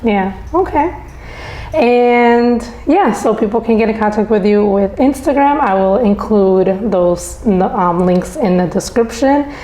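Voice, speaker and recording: A woman's voice: medium pitch, a little slow, warm tone. A woman from the Dominican Republic hosting a casual interview podcast, encouraging her guest and backchanneling often. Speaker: podcast host. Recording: echoey room.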